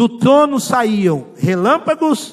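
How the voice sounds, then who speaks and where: A man speaks in an animated tone with a Brazilian accent. His intonation is lively. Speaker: pastor. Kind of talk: sermon. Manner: sometimes shouts, loud.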